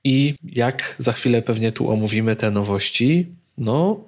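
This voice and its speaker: A man's voice: mid-range voice, lively intonation, measured pace. A man co-hosting a casual tech podcast, giving his opinions in long, flowing stretches. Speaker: podcast co-host.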